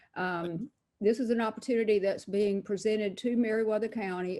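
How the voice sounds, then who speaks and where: A woman with a Southern US accent speaks fairly quickly in a dark, mellow, medium-pitched voice with fairly even intonation, on a very clean recording with a silent background. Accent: Southern US (Georgia). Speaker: local official presenting to county board. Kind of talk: public meeting presentation. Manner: fast.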